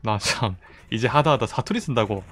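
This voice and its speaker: A man's voice: mid-range voice, lively intonation, moderate pace, a bit bright, a little hiss or hum. Male game streamer, Gyeongsang accent, casual chatter. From South Korea, Busan. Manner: chatty, reads out chat and thanks viewers. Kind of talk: casual live-stream chat while playing.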